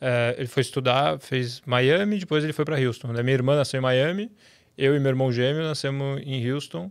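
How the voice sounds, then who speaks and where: He has a normal speaking voice at a medium pitch. The man keeps a moderate pace with ordinary pitch variation. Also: very clean recording, silent background. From Brazil, São Paulo. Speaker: startup founder and CEO. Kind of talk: casual interview.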